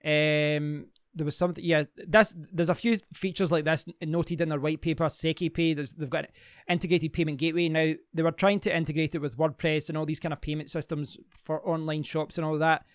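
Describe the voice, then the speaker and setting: A man's voice: fairly high pitch, little pitch movement, fairly quick, clean tone, no room sound, clean studio sound. A man hosting his own channel, talking casually through a screen share, rambling with many fillers and restarts. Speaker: crypto mining channel host.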